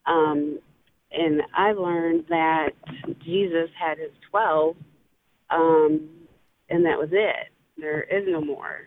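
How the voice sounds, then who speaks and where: A woman's voice: sits low, fairly even intonation, takes it slowly. Hesitant woman calling in over the phone. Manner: hesitant, many "um" fillers. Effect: heard over the phone. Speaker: caller. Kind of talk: call-in question to a radio show. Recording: tinny phone line, dry.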